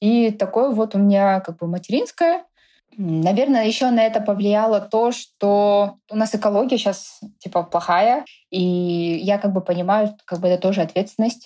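The voice has a dark, mellow tone. It moves at a moderate pace over a quiet background. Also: woman, medium pitch for a woman, ordinary pitch variation. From Kyrgyzstan, Bishkek. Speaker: IT developer and entrepreneur. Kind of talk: casual interview.

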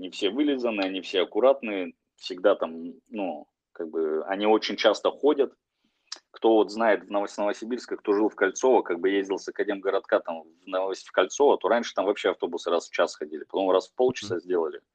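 A man at a fairly quick pace, with big swings in loudness and a dry, close sound with no echo. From Russia, Novosibirsk. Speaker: banker and startup co-founder. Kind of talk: casual interview.

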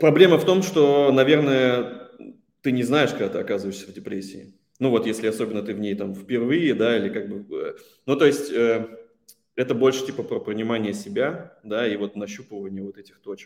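In a plain, everyday voice, a man of medium pitch speaks at a moderate pace, his intonation lively and his loudness swinging widely. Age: 30s. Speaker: startup founder. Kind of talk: casual interview.

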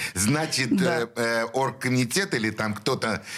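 Here a man has an unremarkable speaking voice at a medium pitch. He goes at a fairly slow pace. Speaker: radio host. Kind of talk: radio interview. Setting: radio studio.

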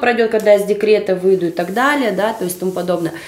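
A woman speaks at a medium pitch, with audible room echo and noticeable background noise. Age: 20s. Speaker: reality TV show participant and blogger. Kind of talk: casual interview. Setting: hotel suite studio.

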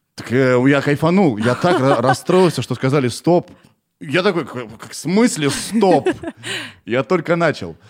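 A man speaks at a fairly slow pace with long, frequent pauses. His intonation is lively and his pitch fairly high. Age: 30s. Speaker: podcast host. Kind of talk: casual interview chat. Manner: informal, joking, animated.

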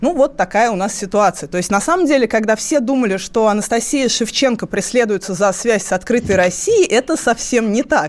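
Speaking at a moderate pace with hardly any pauses, a woman uses lively intonation in a fairly high voice. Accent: Moscow. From Moscow. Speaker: radio host. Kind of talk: casual chat.

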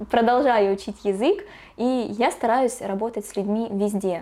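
Her voice is fairly high in pitch with a dark, mellow tone and fairly even intonation. The woman talks at a moderate pace on a very clean recording with a silent background. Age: 20s. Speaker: life coach. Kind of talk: casual interview chat.

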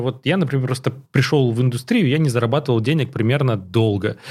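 Speaking at a very fast pace, a man talks. His pitch sits in the medium range. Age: 30s. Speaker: podcast co-host, teacher. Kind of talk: casual chat.

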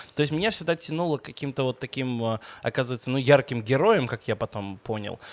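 Here a man with a plain, everyday voice talks at a fairly quick pace and medium pitch. His intonation is lively, and the sound is dry and close with no echo. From Moscow region, Russia. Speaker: comics editor and film producer. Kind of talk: casual chat. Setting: comic shop.

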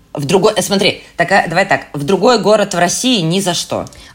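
A woman with a medium pitch, an unremarkable speaking voice, at a fairly slow pace. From Russia. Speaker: podcast host. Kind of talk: casual chat.

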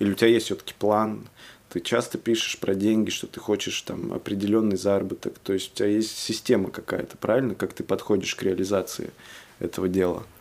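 A fairly low-pitched man speaks at a fairly quick pace in a monotone, flat delivery. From Tolyatti, Volga region, Russia. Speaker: podcast host. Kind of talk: casual interview.

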